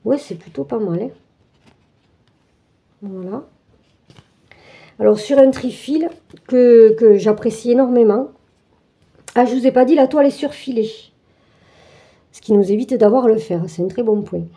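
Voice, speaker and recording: A woman's voice: on the high side, a little slow, long pauses, mellow. A woman hosting a craft channel, chatting through an unboxing with many fillers and restarts. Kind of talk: casual unboxing walkthrough.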